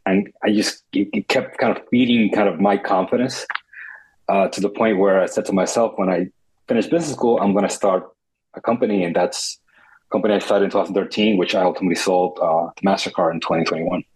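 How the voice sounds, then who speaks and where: A man's voice: deep voice, steady tone, fast talker, a little mellow, slightly rough, rough recording. A man from the Dominican Republic, a startup founder telling his story in an interview, earnest and reflective with many restarts.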